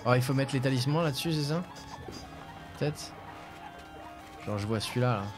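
A man's voice: mid-range voice, brisk. A man streaming a game and chatting casually as he works out what to do. He hesitates and thinks aloud while game music plays behind him. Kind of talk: casual let's-play commentary.

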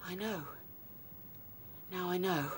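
A man's voice: sits high, slow pace, a little hiss or hum. A British man playing an anxious, visionary young male rabbit, earnest and intense, in a radio drama. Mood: shaken.

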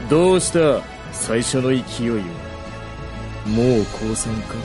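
An actor playing a gloating, menacing villain in a fantasy radio drama, with a gravelly, taunting delivery. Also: male voice, medium pitch, animated, takes it slowly. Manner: taunting, theatrical. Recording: loud music under the voice.

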